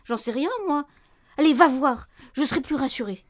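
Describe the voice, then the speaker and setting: Woman playing a fretful, insistent high-voiced wife. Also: normal speed. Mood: fretful, nagging. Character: anxious, insistent wife, worried, sharp-tongued. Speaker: anxious wife hearing a baby at night. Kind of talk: radio play acting.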